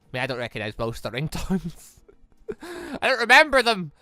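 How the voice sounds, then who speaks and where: A man doing let's play commentary on a game, with animated, rambling asides. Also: high-pitched, normal speed, no echo, faint music behind. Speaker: gaming YouTuber, let's player. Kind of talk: let's play commentary with dramatic read-aloud.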